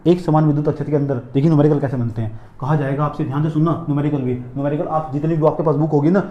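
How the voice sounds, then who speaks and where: Fast-talking male physics teacher, echoey room. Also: on the high side, steady tone, dull audio. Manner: repetitive, drilling questions to students. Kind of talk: classroom lecture. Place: classroom.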